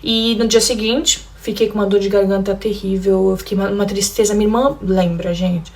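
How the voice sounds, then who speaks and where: A young woman from Brazil recounts a painful personal story, her speech rapid and tumbling. Her voice carries a gravelly fry. She keeps calling out to her listeners and acts out the words of others. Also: mid-range voice, level tone, darkish tone. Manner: addresses listeners as "gente", acts out quoted lines. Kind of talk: emotional personal testimony.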